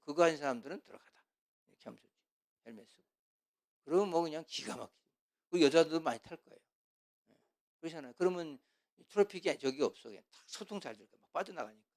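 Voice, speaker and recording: A middle-aged man teaching as a pastor in a casual, chatty way, with asides, and acting out quarrels in a loud voice. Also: a little high. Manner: chatty, asides and laughs, acts out quarrels loudly. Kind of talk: casual church teaching talk.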